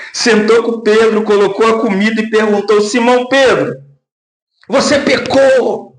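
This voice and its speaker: A man preaching a lively sermon, acting out quoted voices and laughing often. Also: echoey room. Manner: says of himself he speaks in a deep, gruff way. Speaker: pastor.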